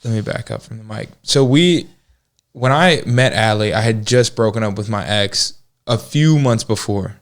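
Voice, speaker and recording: This podcast co-host is a twenty-something American from Georgia, bantering and joking through laid-back relationship talk. He speaks at a normal speed in a fairly low voice.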